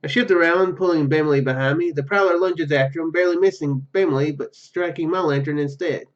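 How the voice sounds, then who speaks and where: Man, fairly high voice, halting gamer read-aloud, casual asides, slightly muffled lo-fi mic. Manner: halting, stumbling over words while reading. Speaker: gaming YouTuber. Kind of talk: reading visual novel narration aloud with casual commentary.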